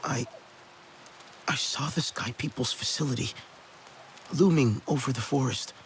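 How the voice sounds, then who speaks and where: A man playing an earnest young Na'vi tribal hunter in a video game, speaking in halting, dramatic fragments. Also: mid-range voice, a little hiss or hum, close to an everyday voice. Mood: earnest, determined.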